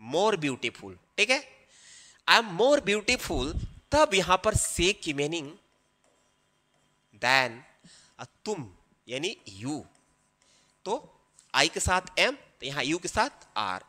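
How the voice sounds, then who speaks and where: A man's voice: on the high side, bright, forceful tone. A man teaching an English grammar lesson. He explains patiently step by step and keeps checking that the listener is following. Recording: long reverb.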